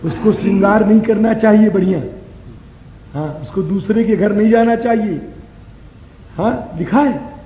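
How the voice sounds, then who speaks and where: A man giving a devotional sermon, emphatic and repetitive, slowly chanting scripture verses between his explanations. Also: sits high, reverberant, big-room sound, highs cut off, slight background noise. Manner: emphatic, repeats phrases for effect. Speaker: preacher giving a scripture discourse.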